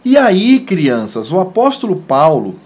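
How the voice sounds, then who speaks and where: A man with a Brazilian accent preaches a children's sermon, his voice pitched a little high. He talks slowly and patiently, pausing to explain each word to the young listeners. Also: wildly swooping pitch, a little mellow, breathy edge. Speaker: pastor.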